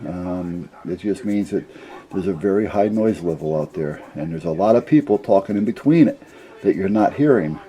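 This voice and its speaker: A man's voice: deep voice, lively intonation, moderate pace, warm tone. An older man talking casually and off the cuff about his hobby, explaining things in a plain-spoken, rambling, folksy way. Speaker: CB radio hobbyist explaining gear.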